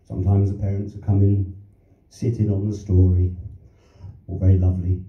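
A man's voice: sits low, monotone, normal speed. Older man telling stand-up anecdotes. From London. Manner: rambling anecdotes with self-deprecating asides and chuckles. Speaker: stand-up comedian. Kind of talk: stand-up routine. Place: small theatre stage. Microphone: handheld mic, filmed from the audience. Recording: roomy, distant, dull audience recording.

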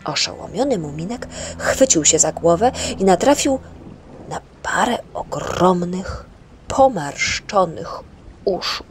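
A woman's voice: fairly low pitch, animated, takes it slowly, slight background noise. A woman reading a children's story aloud at home for a school project, narrating steadily. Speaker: storybook reader.

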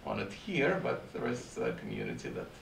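A middle-aged man from Ukraine with a Russian accent, a court interpreter speaking on a panel in a halting way with many fillers. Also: mid-range voice, sing-song, gravelly, a little hiss or hum. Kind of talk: panel talk. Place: university seminar room. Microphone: far camera. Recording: echoey room from far off.

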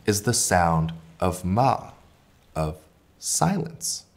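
A man voicing a serene, mysterious woman musician and teacher in a storybook, measured and full of pauses. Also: sits low, sing-song, heavily acted.

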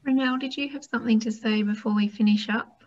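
A woman in her fifties chairs a panel over a video call, speaking in a fairly high voice. She sounds friendly as she wraps the session up. Her voice comes through a headset with dull, lo-fi audio. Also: steady tone, fast, a little mellow. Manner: friendly, wrapping up. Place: room at home.

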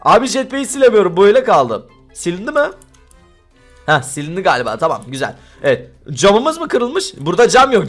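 A young man hosting a gaming video, giving excited commentary with frequent laughter while calling out to his friends. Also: high voice.

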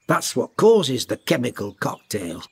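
A man voicing a gentle, soft-hearted, husky-voiced fellow in a comedy cartoon. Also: mid-range voice, huge pitch swings, takes it slowly, exaggerated voice. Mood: earnest, kindly.

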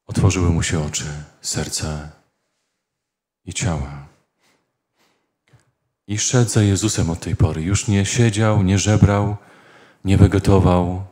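A man preaching a sermon as a priest, earnest and speaking in short phrases with pauses. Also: low voice, warm tone.

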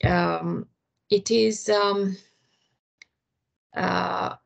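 Romanian accent woman lecturing over video call, slow, kinda creaky, lots of ums and restarts. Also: mid-range voice, steady tone. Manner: hesitant, many fillers and restarts. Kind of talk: online lecture to colleagues.

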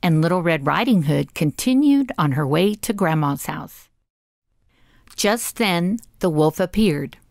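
Low-pitched woman storyteller. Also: lively intonation, measured pace, vocal fry, a little mellow, no room sound, studio quality. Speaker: storybook narrator. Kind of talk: scripted children's narration.

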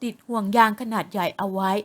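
A woman voicing a fond, doting middle-aged father in an audio novel, speaking slowly. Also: medium pitch, steady tone, a bit bright, close to an everyday voice. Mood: teasing.

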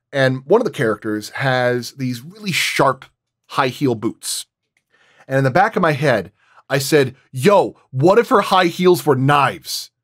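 Man, medium pitch, sound designer, casual roundtable talk, animated storyteller, explanatory. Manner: animated storytelling, acts out quoted dialogue.

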